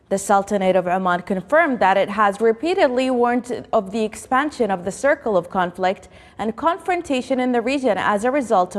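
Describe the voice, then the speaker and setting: A long reverb surrounds the voice of a woman presenting the news. Her pitch sits in the middle range for a woman. She reads from a script in the formal style of a broadcast bulletin.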